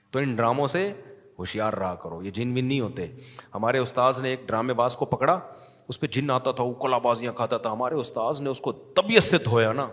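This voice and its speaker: A man giving a lively storytelling sermon as a cleric, acting out the people in his stories. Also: medium pitch, long reverb tail.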